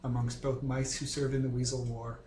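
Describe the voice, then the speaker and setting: A man's voice: medium pitch, level tone, fairly quick, echoey room, very noisy. A man running a tabletop game as game master, explaining in a hesitant way with fillers.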